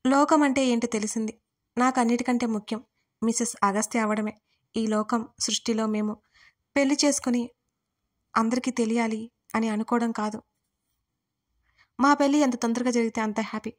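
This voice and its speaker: A young woman reads a romance story aloud as its heroine, in the first person. Her voice sits a little high for a woman. She keeps the telling intimate and full of feeling. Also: fairly even intonation, normal speed, pauses often. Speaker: audio story narrator.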